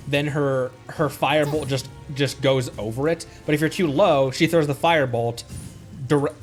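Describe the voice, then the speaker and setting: A man giving casual gaming commentary as he hosts a livestream, chatting to his viewers. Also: mid-range voice. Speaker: livestream host playing a video game. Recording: game music behind. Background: video game music.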